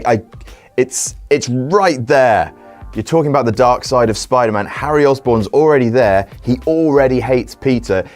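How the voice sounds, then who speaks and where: A young man giving scripted film commentary, excitable and sarcastic, swearing casually. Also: medium pitch.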